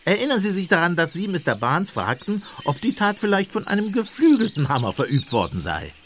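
An actor playing a mild, shrewd Catholic priest detective in a German radio play, measured and politely evasive with understated irony. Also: male voice, sits high, wildly swooping pitch, a bit bright, slight background noise, full character voice. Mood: calm, firm.

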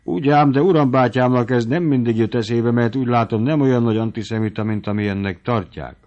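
A man's voice: medium pitch, darkish tone, voice pushed up, close to an everyday voice. Guy reading polite young official, bit teasing, lo-fi audio. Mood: wry. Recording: dull lo-fi audiobook recording.

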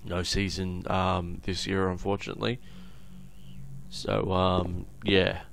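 Low, gravelly Australian man rambling. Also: level tone, soft background music. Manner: rambling, halting, trailing off into asides. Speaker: gamer recording a let's play. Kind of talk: casual gameplay commentary. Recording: noisy home recording with clicks.

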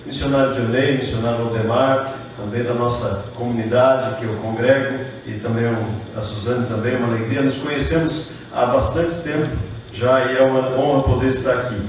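A middle-aged mayor from southern Brazil, whose German-speaking upbringing colours his speech, gives an earnest, unhurried formal speech at a podium, greeting each dignitary by name with fillers. His voice is medium-pitched with fairly even intonation. The podium mic is heard from a distance in a large, very echoey indoor hall, with faint hiss underneath.

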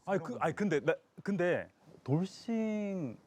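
Man in his thirties, very animated intonation. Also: high-pitched, moderate pace. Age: late 30s. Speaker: dating show contestant. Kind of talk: casual chat and confessional remarks to camera.

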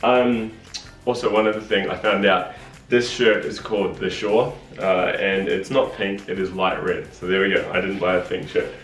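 A man's voice: deep voice, moderate pace, faint music behind. A man in his thirties giving a casual, chatty product review in a living room, with lots of fillers. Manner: chatty, relaxed, many fillers. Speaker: vlogger. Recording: echoey room.

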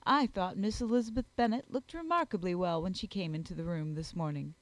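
A woman voicing an amiable, good-natured young gentleman in a storybook, with an earnest, courteous manner. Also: fairly low pitch, fairly quick, no echo, natural voice. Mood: gallant.

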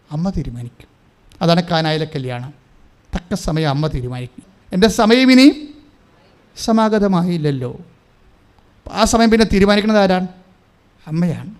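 Male preacher, high and smooth, emphatic sermon delivery with call-and-response. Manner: emphatic, has listeners repeat his phrases.

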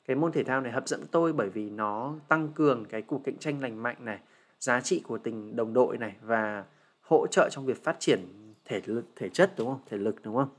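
A young man with a Vietnamese accent, teaching English on a livestream, who switches between slow, careful model answers and chatty, teasing asides. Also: medium pitch. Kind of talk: livestream lesson.

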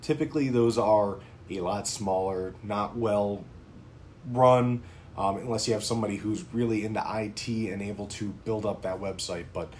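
Speaking at normal speed in a low-ish, darkish voice, a man in his thirties from Pennsylvania, United States, hosts his prepping channel from a small home office. He addresses the camera casually in talking-head vlog style, with plenty of ums and a little hiss or hum.

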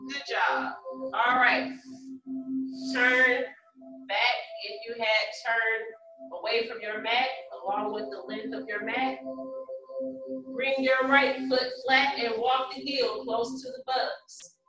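A woman leading a guided yoga class as instructor, giving short, measured step-by-step cues and counts. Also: on the high side, fairly even intonation. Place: large empty carpeted office room, indoors. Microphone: far camera across the room. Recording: echoey room, distant microphone, faint music.

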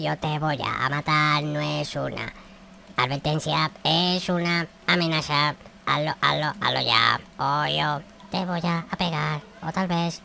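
A man's voice: on the high side, gravelly, bright, forceful tone, a little hiss or hum. Playful man improvising a gaming outro. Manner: playful mock threats, slangy. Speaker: gaming video creator. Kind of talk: improvised rhyming skit outro.

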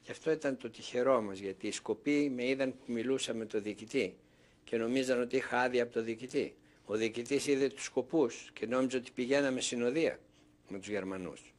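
An older man from Thessaloniki giving an oral history testimony as an interviewee, telling his story and acting out remembered conversations. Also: medium pitch. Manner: storytelling that acts out remembered dialogue.

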